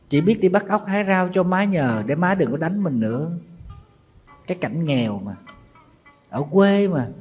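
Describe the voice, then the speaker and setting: A man's voice: high-pitched, a little mellow, highs cut off. A middle-aged man, a Buddhist monk with a Southern Vietnamese accent, telling a sad story in a sermon and speaking straight to his listeners. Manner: mournful storytelling, calls himself teacher and addresses listeners directly.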